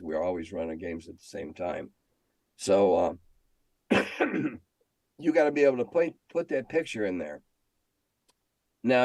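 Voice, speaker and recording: This veteran game designer and editor, an older man from the United States, answers interview questions conversationally in a low, somewhat dark voice. He tells stories and drives home his opinions by repeating himself emphatically. There's no room sound on the audio.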